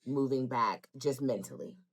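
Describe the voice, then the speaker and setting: A woman's voice: extremely low pitch, moderate pace. A young woman hosting an interview in a chatty, casual way, full of fillers. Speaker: host.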